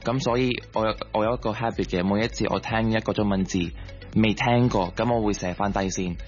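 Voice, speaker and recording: A low male voice with tells personal stories as a radio guest, mixing in English words. The sound is a little dull, with music playing behind him. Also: fairly even intonation, a little fast. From Hong Kong. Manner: mixes English words into Cantonese. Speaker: interview guest, sports coach. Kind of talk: personal storytelling in a radio interview.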